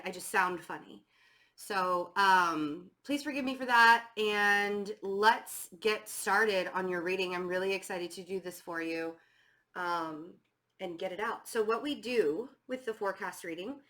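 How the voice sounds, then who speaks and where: Hoarse, stuffy-voiced woman tarot reader. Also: medium pitch, fairly bright tone. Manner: chatty, many fillers and restarts. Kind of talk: casual tarot reading.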